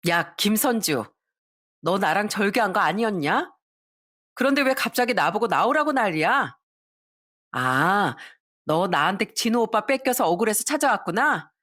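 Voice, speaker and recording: A woman's voice: medium pitch, big pitch swings, moderate pace, a bit bright. A woman voicing a scheming young woman with a taunting, sneering manner in a storybook reading.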